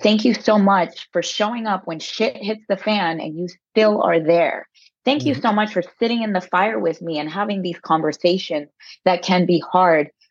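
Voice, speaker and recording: Against a quiet background, a woman with a Spanish accent talks at a moderate pace in a medium pitch with ordinary pitch variation. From Puerto Rico, then Tennessee. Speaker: life coach and spiritual teacher. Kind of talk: interview, casual chat.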